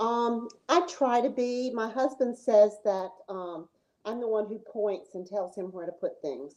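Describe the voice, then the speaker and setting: A woman with a slight Southern US accent and a fairly high pitch speaks at a fairly slow pace with lively intonation and big swings in loudness. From Mississippi, US South. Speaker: painter. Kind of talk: live interview.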